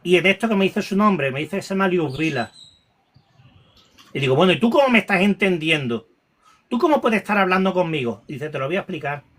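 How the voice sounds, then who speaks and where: Man telling a story, halting and emotional. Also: sits high, lively intonation, a bit bright. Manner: halting, many restarts and repetitions. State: emotional, near tears. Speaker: guest recounting a paranormal experience.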